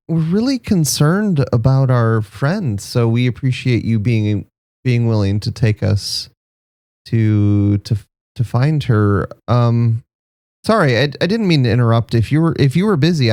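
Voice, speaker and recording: A player voicing a polite, apologetic adventurer who talks in halting restarts. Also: mid-range voice, darkish tone, no echo, clean studio sound, lightly acted. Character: polite, eager young male adventurer.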